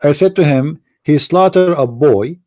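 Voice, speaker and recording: A man's voice: on the high side, a little slow, dark tone. A man with an Arabic accent, a native Arabic speaker, hosting a heated religious debate in a confrontational, insistent way, repeating his phrases and questions. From Middle East. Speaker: host and Christian apologist debater.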